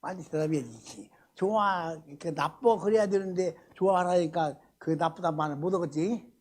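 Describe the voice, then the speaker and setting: An older man, the senior pastor, preaches a sermon at a Friday church service. His voice sits on the high side at normal speed, and he speaks emphatically, swinging from loud exclamations to hushed asides while firing rhetorical questions at the congregation.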